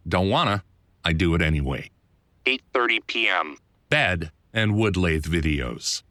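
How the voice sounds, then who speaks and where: Animated low-voiced man, wry audiobook narration. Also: unhurried, dry recording, studio quality. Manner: wry, self-deprecating, conversational. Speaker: audiobook narrator, author reading own book. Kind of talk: first-person scripted narration.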